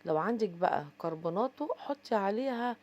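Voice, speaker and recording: Egyptian woman cooking host, quick and chatty, low mellow voice, dull lo-fi sound. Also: lively intonation. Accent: Egyptian Arabic. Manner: chatty, addresses viewers directly, frequent fillers. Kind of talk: casual cooking tutorial.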